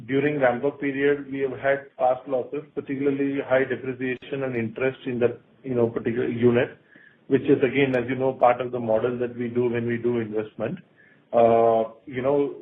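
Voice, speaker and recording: On a thin, noisy conference phone line, an Indian finance executive gives investors unscripted clarifications during an earnings call, adding some emphasis. His voice is medium-pitched with little pitch movement, at a moderate pace.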